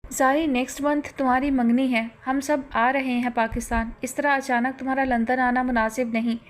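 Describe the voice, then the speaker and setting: A woman's voice: high voice, flat delivery, moderate pace, lightly acted. A woman voicing a caring, worried mother asking anxious questions in an audiobook. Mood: concerned. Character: worried loving mother abroad on the phone.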